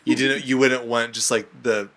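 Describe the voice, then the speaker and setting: A man's voice: mid-range voice, steady tone, normal speed, a crowd in the background. A man in a casual podcast chat, joking and swearing. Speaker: podcast co-host.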